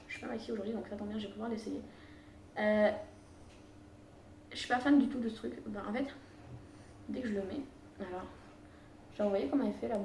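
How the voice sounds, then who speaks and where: A young woman chatting casually while she packs, wandering from one thought to the next and filling pauses with "euh". Her voice sits a little away from the microphone in an echoey room at home. A faint room hum stays underneath. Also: medium pitch, a little mellow, far from the mic. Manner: chatty, rambling with many fillers. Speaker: beauty vlogger. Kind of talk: casual chat.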